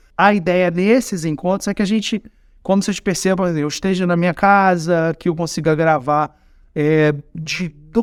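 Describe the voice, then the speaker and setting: A man talks at a moderate pace in a high pitch. His intonation is fairly even. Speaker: doctor (aesthetic medicine). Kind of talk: informal Q&A video. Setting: at home. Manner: loud.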